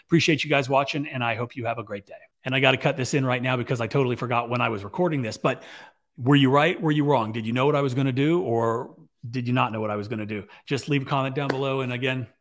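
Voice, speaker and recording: Raspy-voiced man at a podcast mic. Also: medium pitch, fast. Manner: conversational, many fillers and restarts, gestures while talking. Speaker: business owner vlogger. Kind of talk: casual talking-head storytelling. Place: home office with shelves, indoors. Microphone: large podcast mic on boom arm.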